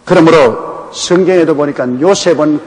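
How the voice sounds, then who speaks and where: An older male pastor from Gyeongsang delivers a sermon with a fairly high voice. He preaches conversationally and mixes homely anecdotes into his teaching. His delivery is emphatic and animated. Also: normal speed, in a large hall, poor audio. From Gyeongsang, Korea. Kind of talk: sermon with Bible exposition.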